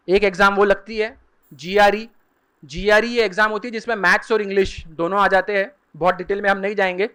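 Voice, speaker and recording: In a seminar hall, a career guidance speaker lectures an audience on study options, explaining step by step and slowing down to spell out and repeat key terms. His voice is fairly high with a fairly bright tone.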